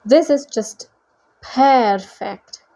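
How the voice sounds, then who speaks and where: A woman's voice: on the high side, takes it slowly. A woman voicing a bitter, grandiose male manticore villain in a storybook, drawn out and menacing. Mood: gloating.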